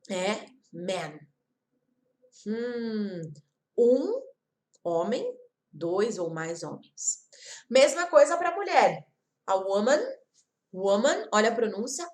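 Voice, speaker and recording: Slow-paced Brazilian woman teaching English. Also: medium pitch. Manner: slow, careful repetition of example words; chatty, addresses viewers directly. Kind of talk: online language lesson.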